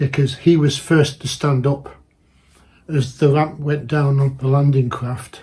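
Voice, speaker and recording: A fairly high, somewhat breathy male voice with a dark, mellow tone. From northern England, Salford near Manchester. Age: 70s. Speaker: woodworking YouTuber. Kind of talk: casual vlog monologue. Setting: workshop. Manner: halting, with restarts and fillers.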